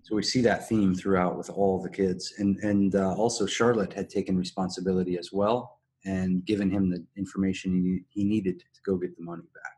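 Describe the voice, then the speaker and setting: A man's voice: low voice, flat delivery, a little fast, hardly any pauses, mellow. A man talking casually as a podcast host, analysing and explaining an episode in a recap style.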